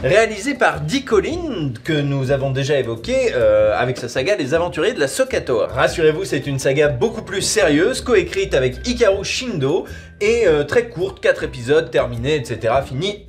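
A man's voice: fairly high pitch, very animated, fairly quick, soft background music. A young adult man, hosting a casual review to camera. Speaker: host reviewing audio dramas. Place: wood-panelled bar room, indoors.

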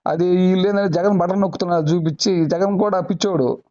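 A man's voice: high-pitched, fairly even intonation, fast, warm tone. A man with a Prakasam district Telugu accent, complaining heatedly and repeating himself on a landline phone call. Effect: heard over a landline phone. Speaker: caller. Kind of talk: casual phone conversation. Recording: muffled phone line.

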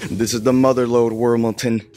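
A man's voice: medium pitch, darkish tone. A man voicing a vain, pompous cartoon villain dog, a genius inventor bent on revenge, theatrical and menacing. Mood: gloating.

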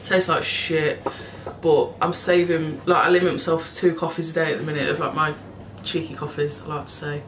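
Here a woman who makes cleaning videos chats to camera from her home kitchen, her low-pitched voice a bit hoarse and froggy. Her delivery is flat and brisk with hardly any pauses, broken by the odd laugh or swear word as she rambles. The camera faces her at table height, and the room is echoey with background noise.

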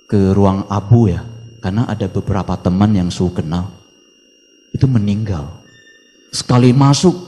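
A male Buddhist monk giving a dharma talk, preaching with emphatic exhortations and Mandarin chant phrases mixed in. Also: medium pitch. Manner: emphatic rising exhortations, trailing off softly. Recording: long reverb of a hall.

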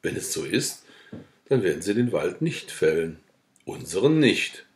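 A man's voice: deep voice, big pitch swings, a little slow, full character voice. A man reading the lines of a worried old village man who earnestly pleads for the hungry poor. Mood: pleading.

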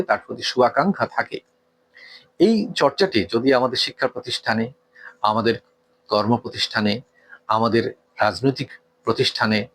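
A man from Bangladesh delivers an earnest talk on etiquette. His voice sits at an ordinary middle pitch. He lectures steadily, asks rhetorical questions and stops often on hesitant fillers. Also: fairly bright tone, husky. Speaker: speaker giving a talk on etiquette. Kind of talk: didactic talk.

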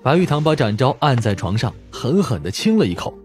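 A man's voice: mid-range voice, very animated, fairly quick, a little mellow, soft background music. A man narrating an audiobook as dramatic scripted storytelling.

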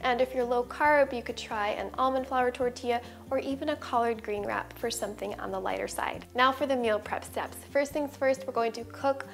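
A woman in her thirties, a cooking channel host, narrating a recipe voice-over with clear step-by-step instructions. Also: fairly high pitch, normal speed, hardly any pauses.

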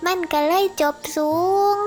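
A woman's voice: a little slow, a little mellow, faint music behind, natural voice. A woman voicing a boastful old village grandmother, chatty and sing-song, with a Northeastern Thai Isan accent. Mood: bragging. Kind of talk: animated cartoon acting.

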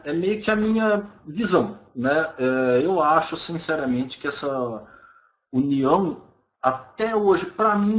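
A man's voice: high voice, fairly bright tone. A man in his thirties giving an online lecture from a small room, talking casually and often checking in with his listeners. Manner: conversational, frequent tag questions, hedged personal opinion. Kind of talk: live webcam lecture answering viewer questions. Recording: roomy webcam audio.

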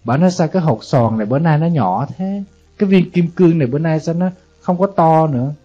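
A woman's voice: low voice, expressive, quick pace. A monk quoting a greedy, dying eighty-year-old woman who clutches her gold, speaking in a suspicious, querying way. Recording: dull lo-fi audio, faint music behind.

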